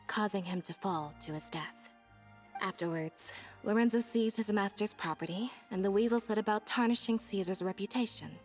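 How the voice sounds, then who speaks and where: Woman doing a calm game storyteller, measured dramatic narration, middle pitch, faint music under. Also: natural voice. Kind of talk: scripted video game narration.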